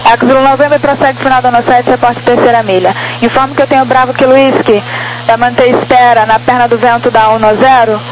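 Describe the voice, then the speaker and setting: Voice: medium pitch, flat delivery, fast talker, music in the background. Brazilian air traffic tower controller, mid-register voice, procedural delivery through crackly, humming radio. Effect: crackly aviation radio.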